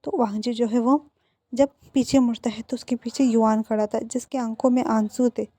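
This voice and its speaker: Soft-voiced woman narrating a story. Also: on the high side, steady tone, moderate pace, dry recording. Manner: reads all characters' lines herself, emotional. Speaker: fan fiction narrator. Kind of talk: storytelling narration with acted dialogue.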